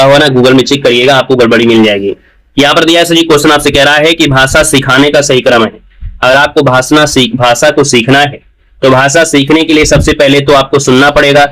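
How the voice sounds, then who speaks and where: Male tutor, slightly high voice, repetitive exam-prep lecturing. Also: fairly bright tone, poor audio. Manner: repetitive, addresses students as "sir ji". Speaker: teacher.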